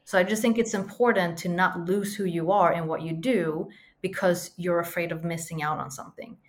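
A woman's voice: on the low side, fairly even intonation, fairly quick. A woman from Sweden with a light Swedish accent under a mostly American sound, speaking earnestly and reflectively as a podcast guest. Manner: earnest, reflective, emphatic repetitions. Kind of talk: conversational interview.

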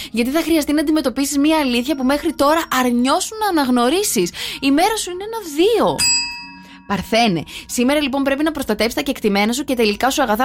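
A woman co-hosts a radio morning show, bantering and reading horoscopes briskly. Her voice sits fairly high. Faint noise hums under her studio mic. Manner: lively, quick to laugh, brisk reading. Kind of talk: casual radio chat and read horoscopes. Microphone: studio microphone.

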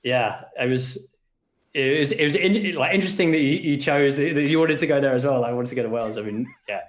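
A man in his thirties with an English accent mixed with some Australian, telling stories in a relaxed, rambling way as a podcast guest. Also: medium pitch, brisk. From England. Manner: relaxed, rambling, many fillers and restarts. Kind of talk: casual interview storytelling. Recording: echoey room.

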